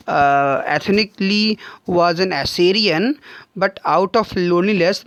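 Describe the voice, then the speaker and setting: A man teaching an online English class with an Indian accent, reading a story line by line and paraphrasing it with frequent fillers and throat clearing. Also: high voice, no room sound, highs cut off. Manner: reads a line then paraphrases it, with frequent "okay" and "uh"; clears his throat often.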